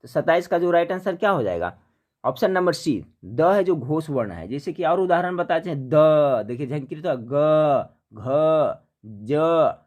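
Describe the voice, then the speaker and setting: A man runs through practice questions for an exam. He poses each question, pauses for a guess, then gives the answer. He keeps telling listeners to remember and calls them friends. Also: fairly high pitch, sing-song, dull audio. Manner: addresses viewers as friends, repeats "remember", asks then answers. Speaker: exam prep teacher. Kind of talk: quiz-style Hindi grammar lesson.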